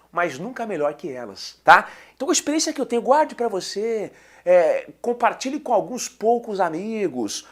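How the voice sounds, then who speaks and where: Lively, nasal male teacher with a cold. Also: high-pitched. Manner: lively, chatty, addresses students as "gente". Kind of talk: exam-prep lecture.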